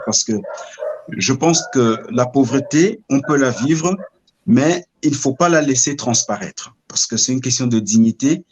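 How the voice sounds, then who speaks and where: A middle-aged man from Cameroon, telling his story as an interview guest in a measured, reflective way, often pausing to search for words. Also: medium pitch.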